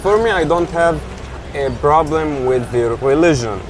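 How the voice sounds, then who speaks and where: A lawyer from Jerusalem, speaking earnest, halting English in an interview. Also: male voice, on the high side, a crowd in the background. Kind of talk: casual interview. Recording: street noise with passing traffic.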